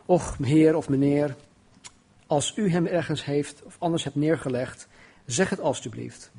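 A grieving woman begs a stranger at the tomb to tell her where the body lies, voiced by a man reading aloud. The voice stays fairly high and husky, earnest and pleading, with no real change from his reading voice. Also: a little slow, mellow, full character voice.

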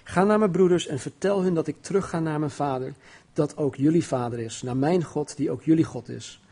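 Jesus, read by a man, calm and husky. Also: on the high side, fairly quick. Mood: solemn. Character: calm risen Jesus, adult man, gentle authority.

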